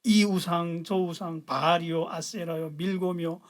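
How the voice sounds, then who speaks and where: A pastor giving a sermon, retelling scripture in a blunt, colloquial way, jumping between loud outbursts and hushed asides. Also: medium pitch, fairly even intonation, normal speed.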